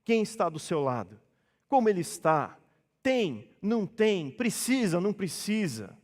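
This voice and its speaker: A man's voice: sits high, sing-song, unhurried, a little mellow. A Brazilian man preaches a sermon from the pulpit in a lightly raised voice. He talks to the congregation casually, slipping into the voices of people from his stories. The sound rings with a long reverb in the church. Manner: conversational preaching, acts out dialogues in changed voices. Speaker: pastor. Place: church hall.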